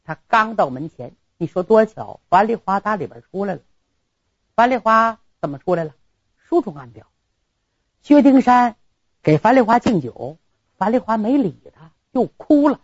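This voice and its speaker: A woman's voice: mid-range voice, very animated, moderate pace, long pauses, a little mellow, husky, no room sound, lo-fi sound. A woman performing a traditional story, dramatic, with sound words and asides to listeners.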